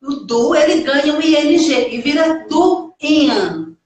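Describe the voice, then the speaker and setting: High-voiced woman teaching English in an echoey room. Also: a little mellow, recorded from a distance. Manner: repeats model phrases slowly, coaxing learners with "tá?". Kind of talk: casual Instagram Live lesson.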